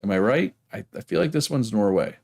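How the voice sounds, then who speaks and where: This man's lowish, gravelly voice has a darkish tone and an expressive, brisk delivery. He speaks with a Prince Edward Island accent, rambling casually to viewers of his game livestream and frequently tossing in "right?".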